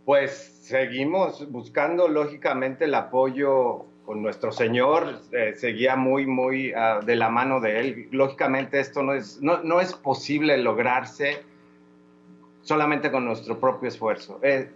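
A man answers interview questions slowly and hesitantly, in a measured way with many restarts. The sound is a little dull, with a faint hum underneath. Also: medium pitch. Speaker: guest giving testimony.

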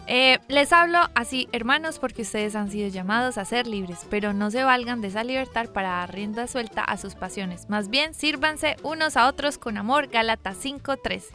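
A woman co-hosting a faith radio show, upbeat in chat and reading scripture verses clearly. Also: on the high side, moderate pace, hardly any pauses, sharp tone, faint music behind. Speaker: radio co-host.

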